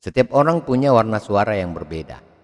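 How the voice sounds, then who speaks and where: A man giving a video lecture on public speaking, expressive, swinging his pitch and loudness to demonstrate. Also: fairly quick. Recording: long hall reverb.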